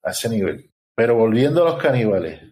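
A man's voice: on the low side, big pitch swings, fairly quick, darkish tone. A man, speaking as a guest researcher in an informal podcast, explaining things didactically with rhetorical check-ins.

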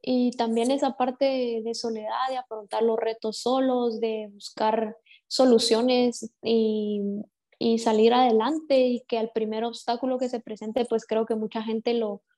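A young woman footballer from Guatemala with a Guatemalan accent, giving measured, reflective interview answers with frequent restarts. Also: on the high side, flat delivery, warm tone. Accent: Guatemalan Spanish. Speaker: professional footballer, interview guest.

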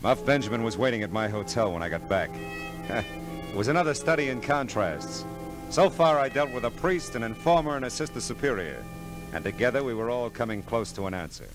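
An American actor playing a hard-boiled, world-weary private detective, dry and terse, narrating and acting in a 1940s radio drama. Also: male voice, medium pitch, lively intonation, brisk, over music, close to an everyday voice. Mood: wry narrating. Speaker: lead and narrator. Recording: old radio drama recording.

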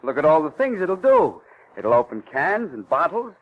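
A man's voice: a little high, sing-song, moderate pace, a little hiss or hum. A man playing a fumbling, defensive husband in old-time radio style, strained and exasperated. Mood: smug, insistent. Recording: muffled old radio recording, music.

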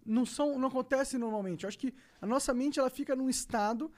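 A woman with a Brazilian accent hosting a casual podcast chat, slangy and quick to react with swear words. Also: sits high, darkish tone. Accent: Brazilian Portuguese.

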